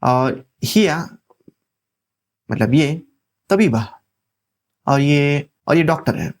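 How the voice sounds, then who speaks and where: A language teacher with a South Asian accent gives an instructional lesson, repeating phrases deliberately and translating them step by step. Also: mid-range voice, expressive. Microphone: lavalier microphone.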